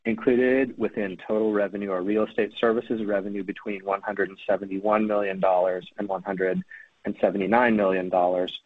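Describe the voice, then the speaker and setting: Low-voiced male finance executive, phone-like sound. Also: little pitch movement, fairly quick, no echo. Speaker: finance executive presenting results. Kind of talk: formal financial report and call answers. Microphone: conference call line. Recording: dry, narrow phone-like line.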